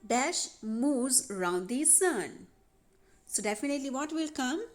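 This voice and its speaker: A woman's voice: sits high, expressive, takes it slowly. A woman teaching a grammar lesson over a worksheet, patiently repeating instructions to students. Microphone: voice-over on handwritten worksheet video.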